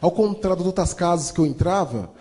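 Male motivational speaker, high, theatrical, comic storyteller, reverberant hall. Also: a little fast. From Brazil. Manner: animated, addresses audience as "gente", acts out voices. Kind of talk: comic storytelling talk to a live audience.

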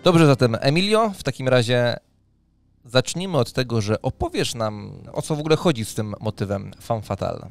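A man in his thirties co-hosting a podcast discussion, talking haltingly phrase by phrase into a close studio microphone. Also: mid-range voice, animated, creaky. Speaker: co-host. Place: indoors, small dim home studio. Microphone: close studio microphone on an arm, headset. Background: music.

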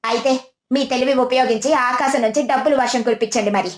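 A woman voicing a sharp-tongued village wife in a storybook tale, mocking and theatrical, with a greedy streak. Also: high-pitched, fast, close to an everyday voice. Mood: mocking, scolding. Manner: scolding, sarcastic, theatrical. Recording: music behind the voice.

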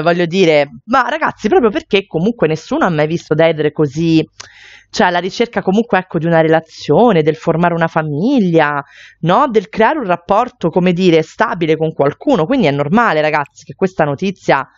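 A woman's voice: lowish voice, no room sound, lo-fi sound. A woman hosting a let's play, giving game commentary in chatty asides to viewers with many fillers.

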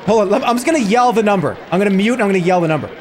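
A man's voice: sits high, very fast, slight background noise. A man in his thirties streaming from home, rambling and swearing as he chats, on a desk mic. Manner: animated, rambling, swears a lot. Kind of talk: casual livestream chatter.

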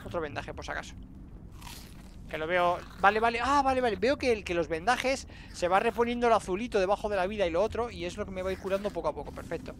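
A man's voice: high voice, quick pace, a bit bright, a little hiss or hum. A man with a Spain Spanish accent giving let's-play commentary, muttering to himself and bursting into exclamations, recorded on a desk mic at home. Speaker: gaming streamer.

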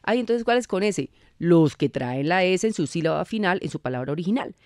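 A woman's voice: fairly low pitch, lively intonation, brisk, darkish tone, no echo. A Colombian woman explaining spelling rules patiently as a guest on a radio show, speaking in a studio. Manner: patient, didactic, laughs easily.

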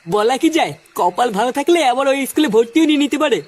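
A man's voice: extremely high pitch, animated, fast talker. A man voicing a crude but sensible male friend in a comedy cartoon, admonishing and practical.

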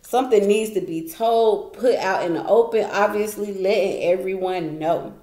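A tarot reader, unseen while the camera points down at her wooden table, talks through a casual reading indoors at normal speed in a mid-range, dark-toned voice. She is chatty and emphatic, laughs frequently, and repeats phrases, with echo and faint noise in the room.

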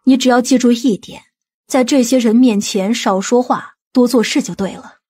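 A woman's voice: a little high, moderate pace, mellow, slightly rough. A woman voicing a bossy, irritable aunt in a dramatised audiobook, with a scolding, indignant manner. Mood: instructing. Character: domineering, irritable aunt of a company chairman.

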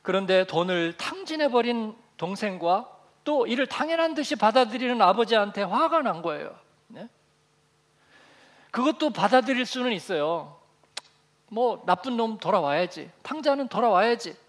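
A man's voice: high-pitched, big pitch swings, normal speed. A male pastor preaching a sermon, telling a parable and acting out its characters. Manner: storytelling, acting out the figures of the parable. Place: church.

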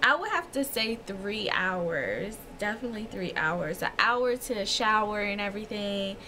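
Animated, sharp-toned and measured in pace at medium pitch, this woman in her thirties answers personal tag questions to camera from a small shelved room at home. The vlogger is chatty and giggly, full of fillers, with a little hiss or hum in the audio.

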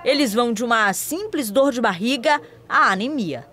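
Female news reporter, high-pitched, lively scripted read. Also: moderate pace. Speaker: field reporter.

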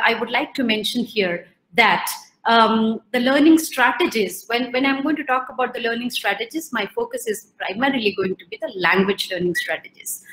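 A woman's voice: fairly high pitch, roomy sound, low-quality recording. A middle-aged woman from Odisha with an Indian English accent, giving an online lecture with many fillers and restarts as she poses questions to the class. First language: Odia. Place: indoor room. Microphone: video call.

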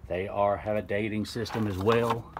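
Low-voiced man explaining an old car. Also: steady tone, normal speed, noisy background. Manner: plain, explanatory, methodical. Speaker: classic car appraiser and channel host. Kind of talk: walkaround narration while filming. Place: old open barn, indoors and out. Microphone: handheld phone camera.

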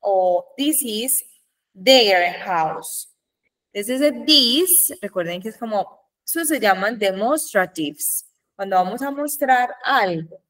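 A woman's voice: mid-range voice, lively intonation, a bit bright, recorded from a distance, low-quality recording. A woman with a Colombian Spanish accent, teaching an English grammar lesson to a class and checking in with the students often. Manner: slow, drawn-out model sentences, frequent "¿Listo?" checks.

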